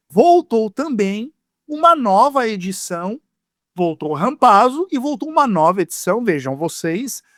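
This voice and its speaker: A Brazilian man hosting a lively sports podcast in a playful, theatrical way, his voice rough from being sick. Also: high voice, no room sound, studio quality. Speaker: podcast host.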